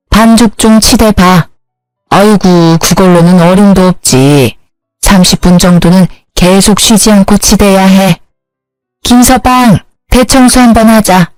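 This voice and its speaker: A woman voicing a scolding older mother-in-law who talks slowly and nags in a commanding way. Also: mid-range voice, darkish tone, no echo, natural voice, poor audio.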